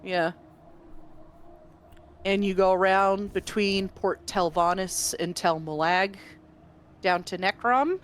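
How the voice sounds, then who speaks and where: Unhurried woman game master. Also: medium pitch. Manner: relaxed, descriptive narration with laughs. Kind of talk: narrating a tabletop game.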